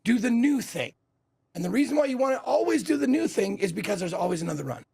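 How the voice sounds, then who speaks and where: A man co-hosting a casual gaming podcast, his voice raspy and hoarse from a bad voice day, talking in an animated way and giving advice. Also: sits high, fast. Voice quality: raspy, strained voice. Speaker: podcast co-host.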